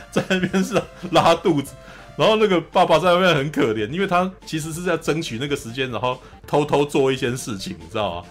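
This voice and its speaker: A man hosts a casual anime chat in a slightly raised voice. He retells scenes with lively energy, laughing often and keeps asking his listener "you know?". Soft music plays faintly underneath. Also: fairly high pitch. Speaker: host.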